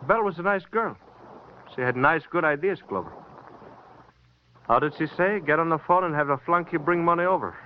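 An actor playing a menacing gangster who speaks slow, broken English and gloats, in 1950s radio drama acting. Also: male voice, on the high side, a little hiss or hum, close to an everyday voice. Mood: gloating. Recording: dull lo-fi old radio recording.

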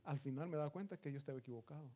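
A man delivers a sermon in an earnest, emphatic way, calling his listeners brothers. His voice sits somewhat higher than most men's. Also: rapid-fire, dark tone. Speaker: preacher.

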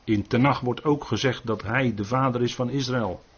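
A man's voice: mid-range voice, normal speed, slightly rough, muffled recording. An older man leading an informal Bible study, earnest, often adding tag questions and restarting his sentences.

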